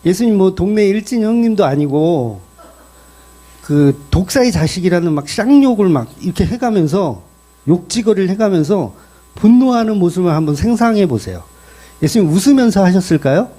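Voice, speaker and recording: A middle-aged male pastor preaching a sermon in a lively, joking way, with many questions to the congregation. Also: sits high, normal speed.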